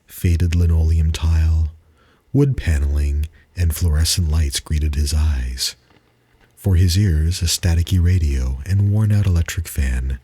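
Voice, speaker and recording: Male horror narrator: very low, slow, deliberate and suspenseful dramatic reading. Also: warm tone, husky, no echo. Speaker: storyteller. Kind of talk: dramatic reading of a spooky story.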